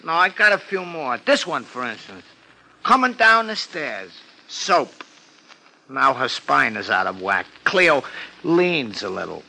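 An actor playing an anxious, weepy, lowbrow New York florist in a 1950s radio drama, talking in slangy, ungrammatical street talk. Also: male voice, big pitch swings, unhurried, creaky, sharp tone, heavily acted, rough recording. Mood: agitated, insistent. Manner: slangy tough-guy street talk with mangled grammar.

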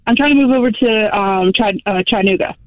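A woman in her twenties from Florida, calling in over the phone and speaking in a hesitant, halting way. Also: mid-range voice, no echo. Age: 20s. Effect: over the phone line. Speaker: caller. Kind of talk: call-in advice talk. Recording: tinny dry phone line.

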